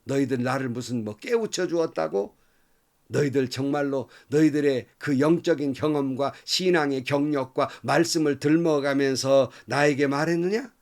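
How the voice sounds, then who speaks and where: A man's voice: a little high, wildly swooping pitch, normal speed, vocal fry, hardly any pauses, a little mellow, voice pushed up, heavily acted. A man voicing a bitter, mocking sufferer. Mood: bitter sarcastic. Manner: mocking, reproachful. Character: bitter, sarcastic suffering man answering his friends.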